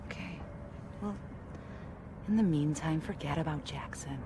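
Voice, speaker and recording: Lowish-voiced, no-nonsense supportive woman. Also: measured pace, background noise. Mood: firm, encouraging. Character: supportive, no-nonsense partner of a racing driver. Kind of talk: naturalistic video game acting.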